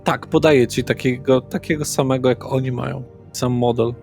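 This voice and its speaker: Mistrz gry o średnim męskim głosie. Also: male voice, mid-range voice, steady tone, normal speed, gravelly, darkish tone. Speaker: game master. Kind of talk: improvised tabletop narration and in-character dialogue. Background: faint music.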